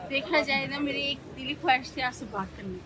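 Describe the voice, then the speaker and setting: A woman's voice: high-pitched, fast, sharp tone. A woman shopper at a busy outdoor market, earnestly urging a politician to look after poor people. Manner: earnest, pleading, repeats her point. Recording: noisy crowd behind.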